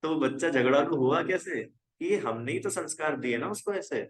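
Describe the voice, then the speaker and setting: A man's voice: on the high side, expressive, moderate pace, roomy sound, rough recording. A man teaching a casual religion class to young people, talking conversationally, urging them on and often checking whether they follow. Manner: conversational and exhorting, asks the class checking questions. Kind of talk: casual spoken lesson to a youth class.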